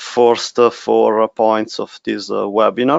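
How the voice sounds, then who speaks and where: A man with an Italian accent at a fairly slow pace. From northern Italy. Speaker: software technical specialist. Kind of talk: webinar presentation. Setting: online webinar. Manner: halting, many fillers.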